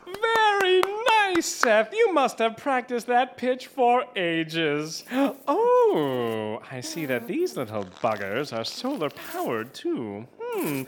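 A woman's voice: fairly high pitch, huge pitch swings, slow, hardly any pauses, heavily acted. An actress voicing a nosy, teasing male mad scientist who grabs other people's things. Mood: sly.

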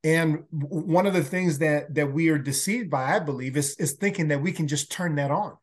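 A man's voice: on the high side, normal speed. A man from El Salvador with a faint Salvadoran Spanish accent, a native Spanish speaker, talking earnestly as a podcast guest and often restarting his words. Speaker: podcast guest, workplace learning consultant. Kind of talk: casual interview talk.

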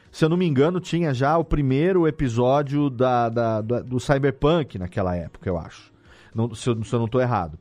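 A Brazilian man talking casually as an interviewed audio editor, explaining things in an animated way with rhetorical questions. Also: mid-range voice. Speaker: audio drama editor and podcast guest.

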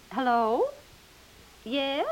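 An actress playing a fluttery, old-fashioned spinster aunt in a 1950s radio comedy, hesitant and flustered. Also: female voice, high voice, background noise, full character voice. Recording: dull, muffled old radio recording.

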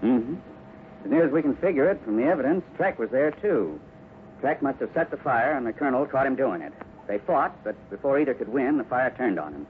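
A man's voice: mid-range voice, animated, a little fast, a little hiss or hum, natural voice. Man playing a grave father, tinny old radio. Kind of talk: 1950s radio drama acting.

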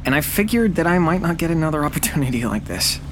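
A stubborn, impulsive young stowaway played by an actor in an audio drama. The voice is defiant and moves up and down in pitch, over clear engine noise. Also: lively intonation, fast talker, natural voice. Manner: defiant, insistent. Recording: loud boat engine noise.

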